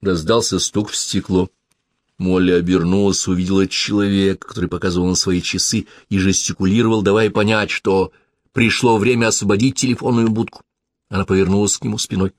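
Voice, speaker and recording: A man narrating an audiobook in a measured, even reading voice. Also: low-pitched. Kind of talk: scripted narration.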